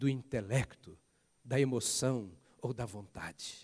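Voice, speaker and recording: The man's tone is dark and mellow. He takes a fairly slow pace. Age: 60s. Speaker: pastor. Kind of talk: sermon. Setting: church.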